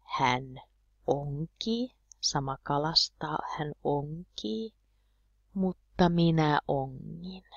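A woman teaching a language lesson, speaking slowly and deliberately and repeating each word clearly for learners. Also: low-pitched, lively intonation, no echo, lo-fi sound.

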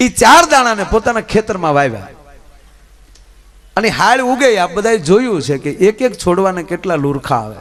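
A man telling folk stories and jokes to a live audience, swinging between loud telling and soft asides. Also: high voice, big pitch swings, normal speed. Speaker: folk storyteller and comedian. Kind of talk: live folk storytelling on stage.

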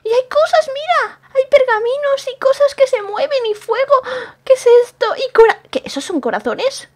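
A woman's voice: extremely high pitch, lively intonation, moderate pace. A woman playing a jumpy young woman in an improvised game roleplay, stammering and repeating words when startled. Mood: jittery, flustered. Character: jumpy young woman, easily frightened and fussy. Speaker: roleplay channel host.

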